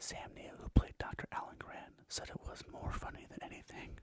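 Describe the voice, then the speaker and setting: A man is speaking. He whispers throughout. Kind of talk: ASMR fun-facts narration about a film. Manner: whispered, soft-spoken.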